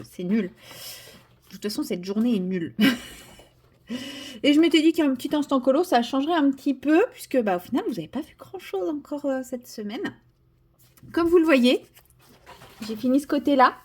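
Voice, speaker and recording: Coloring at her desk indoors, a French vlogger chats casually into a camera set up on a tripod. Her voice is fairly high and slightly mellow, and she makes fun of herself, sometimes lowering it to a whisper.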